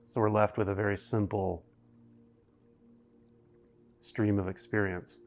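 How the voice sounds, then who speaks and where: A man with a low voice leads a guided meditation over faint music. His delivery is very even, with little melodic movement. He speaks in short, deliberate phrases, leaving long pauses between them.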